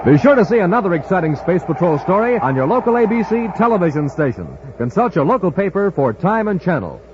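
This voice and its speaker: Booming old-time radio announcer, lively and upbeat, hissy muffled transcription. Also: male voice, fast talker. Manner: booming, salesy.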